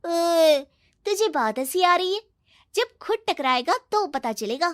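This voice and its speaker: A woman's voice: very high-pitched, expressive, a little slow, a bit bright, exaggerated voice. A woman voicing a sassy, blunt young woman in a cartoon story, talking in a brash, snappy way.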